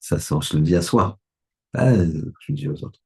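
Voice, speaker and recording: A man's voice: deep voice, lively intonation, normal speed, vocal fry, slightly rough. A man, a rabbi, giving a Torah lesson in a conversational way, often checking that his listeners agree.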